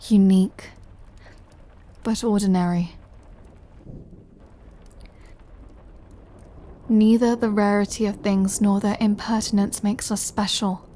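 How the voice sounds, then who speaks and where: A woman playing a centuries-old vampire lover in an intimate audio roleplay, tender and brooding, speaking softly and confidingly and often dropping to a whisper. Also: mid-range voice, steady tone, normal speed, a little hiss or hum, close to an everyday voice. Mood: wistful.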